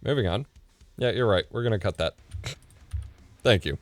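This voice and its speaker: A man in his thirties live-streaming from his home setup as he edits video, thinking out loud and muttering asides under his breath. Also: fairly low pitch, moderate pace. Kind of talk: casual live-stream commentary while video editing. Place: home streaming room, indoors. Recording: dry close mic with faint music.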